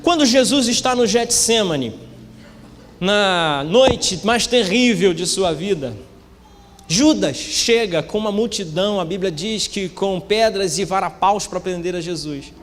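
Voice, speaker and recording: A man preaching a sermon as pastor, calling the congregation brothers, with wide swings in pitch and loudness. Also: lively intonation, measured pace. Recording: echoey hall with faint ambient noise.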